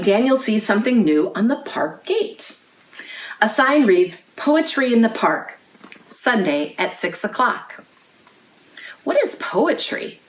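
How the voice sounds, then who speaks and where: A woman hosting a children's storytime, reading aloud in clear phrases and putting questions to young listeners. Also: medium pitch, slight background noise. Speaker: children's librarian, storytime host. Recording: roomy, echoey indoor sound.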